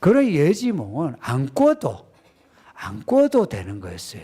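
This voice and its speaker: Speaking at a fairly slow rate, a man lets his pitch swing very widely. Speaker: pastor. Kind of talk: sermon. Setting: church service. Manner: conversational, addresses congregation directly.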